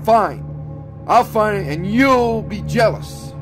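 A man's voice: high voice, normal speed, over music, natural voice. A man doing a whiny, nasal young gamer guy. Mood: petulant.

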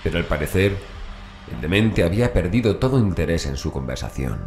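A man with an extremely low voice narrates a horror audiobook. He reads a scripted story, and music plays faintly behind him. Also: very animated, a little fast, a little mellow. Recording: voice over background music.

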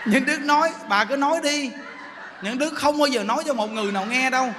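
A man's voice: extremely high pitch, fast, long reverb tail, background noise. A man, a Buddhist monk giving a joking, story-filled dharma talk. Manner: joking, storytelling, laughs often.

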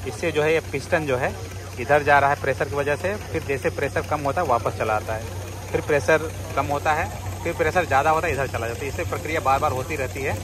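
A man's voice: fairly high pitch, fast talker, background noise. Indian man explaining things on a vlog. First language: Hindi. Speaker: vlogger showing around a steam fire engine show. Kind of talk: casual explanatory vlog commentary. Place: outdoors in a parking lot fair. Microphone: handheld camera, operator behind it.

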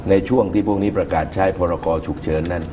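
On a television talk show, a middle-aged political commentator speaks with measured calm in a low, deeply mellow, even tone. A lapel microphone picks him up, and the studio recording carries faint noise.

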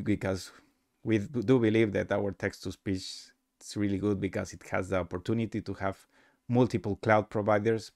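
Low-voiced man, halting tutorial narrator. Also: gravelly, no room sound, studio quality. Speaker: host demonstrating his software. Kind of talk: casual software tutorial narration.

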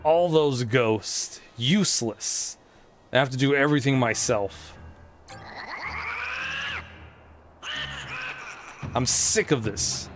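A man's voice: medium pitch, a little slow, soft background music, close to an everyday voice. Man putting on a menacing, theatrical ghost king villain. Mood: exasperated menace. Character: gloating, short-tempered ghost king villain. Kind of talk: reading video game dialogue aloud in character.

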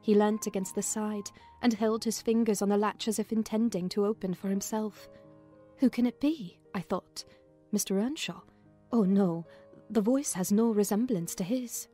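A woman giving a measured, storytelling narration of a dramatized classic novel, in character as a housekeeper. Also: mid-range voice, mellow. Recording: music under the voice.

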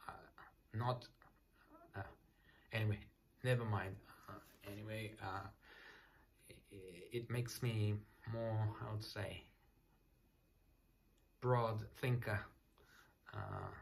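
Japanese-accented man in his thirties, hushed hesitant English, very slow, slightly low voice, faint room hum. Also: creaky. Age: 30s. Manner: speaks softly and hesitantly, many fillers, searching for words. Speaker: English learner. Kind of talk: casual self-introduction to camera. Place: small apartment room at night.

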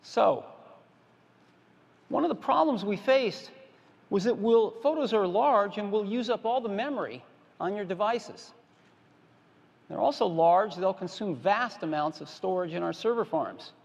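On a large stage in a reverberant conference hall, a man delivers a product keynote, explaining features plainly, repetitively, and with emphasis. His voice is high-pitched, animated, and creaky, with a measured pace and frequent pauses, and the recording is muffled.

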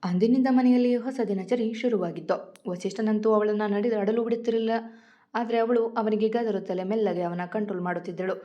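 A woman reading her own story aloud as a narrator, steady and expressive. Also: medium pitch, fairly quick, lo-fi sound.

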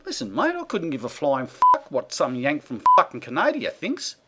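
A man's voice: a little high, wildly swooping pitch, moderate pace. A man playing a crude, brash Australian bogan bloke who swears bluntly, with an Australian accent. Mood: scornful. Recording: loud background noise.

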